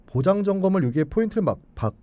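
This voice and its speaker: A man, a financial expert guest on a radio show, explaining insurance changes quickly. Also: high voice, big pitch swings, dark tone, no room sound. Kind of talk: radio advice talk. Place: radio studio.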